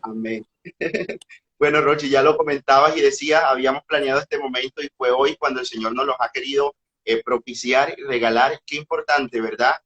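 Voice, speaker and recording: A male priest hosts the interview and gently invites his guest to speak. His voice is mid-pitched, and the recording sounds a bit dull and lo-fi. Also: steady tone, moderate pace, breathy edge. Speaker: priest host. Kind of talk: interview questions.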